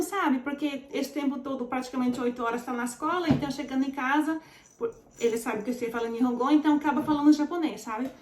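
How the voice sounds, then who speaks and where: A woman's voice: high voice, echoey room. A Brazilian woman in her forties with a Brazilian Portuguese accent, casually telling her story to viewers, chatty and full of fillers. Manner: chatty, addresses viewers as "gente", many fillers. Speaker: vlogger.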